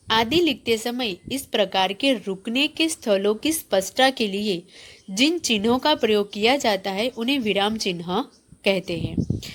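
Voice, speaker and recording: This woman teacher's voice is fairly high and fairly bright, with slight background noise behind it. Teaching grammar to schoolchildren, she reads from the textbook, explains what she read, and repeats points to the class as questions.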